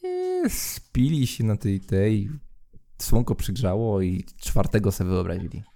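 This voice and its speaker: A man's voice: lowish voice, very animated, a little slow, vocal fry, dark tone. A man running a tabletop role-playing game, describing the scene to the players in second person with small hesitations. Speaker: game master.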